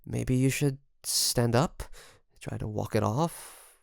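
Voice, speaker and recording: A man playing a secretly obsessive best friend in an intimate audio roleplay, coaxing and hesitant, with sighs and pauses. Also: mid-range voice, gravelly, dry recording, studio quality. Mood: feigned worry.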